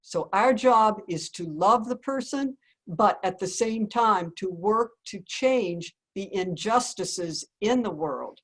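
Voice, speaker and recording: A woman speaking at a deliberately unhurried pace, with a voice pitched in the middle range. She is a spiritual teacher who tells a reflective teaching story calmly and earnestly. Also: husky, poor audio. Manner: calm, measured, gently earnest. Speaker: spiritual teacher, podcast guest.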